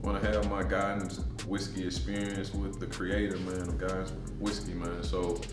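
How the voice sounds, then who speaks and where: A man with a very low voice and a Black Southern American accent hosts a casual interview. He talks in slangy, effusive bursts and repeats himself. The room is echoey, with music playing behind him. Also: monotone, normal speed. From Mississippi, southern US. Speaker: podcast host.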